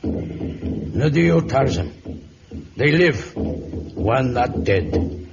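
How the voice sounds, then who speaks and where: An actor playing a stern, superstitious jungle tribal chief who speaks in halting, clipped broken English in an old radio serial. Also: male voice, medium pitch, expressive, vocal fry, exaggerated voice. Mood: solemn. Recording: muffled, noisy vintage radio recording.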